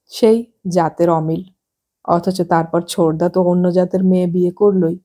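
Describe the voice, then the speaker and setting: A woman narrating a novel as an audiobook in calm, even storytelling. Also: fairly low pitch, normal speed.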